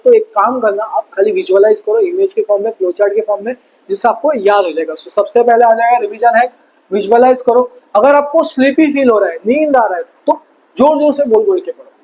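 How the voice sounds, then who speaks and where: Husky high-voiced man giving study tips. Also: darkish tone, poor audio. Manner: fatherly, calls viewers "beta", repeats advice. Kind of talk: motivational study advice talk.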